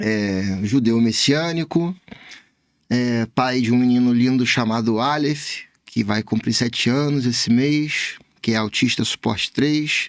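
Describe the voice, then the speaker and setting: A man at a medium pitch speaks at a very slow pace, with ordinary pitch variation and very even loudness. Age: 30s. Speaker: communication strategist and former musician. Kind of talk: podcast interview.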